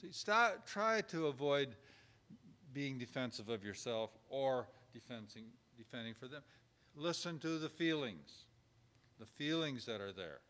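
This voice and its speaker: A man giving a relaxed teaching talk on caregiving, halting with fillers and restarts as he works through numbered points. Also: medium pitch. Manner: unhurried, halting with many fillers, acts out sample dialogue. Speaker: church caregiving trainer.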